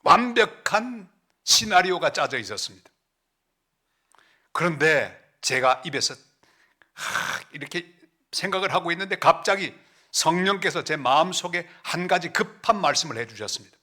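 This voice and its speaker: A middle-aged pastor with a Gyeongsang accent preaching a sermon in a church, storytelling with big swings and sudden hushed, slow asides. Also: male voice, a little high, animated. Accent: Gyeongsang Korean. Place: church sanctuary.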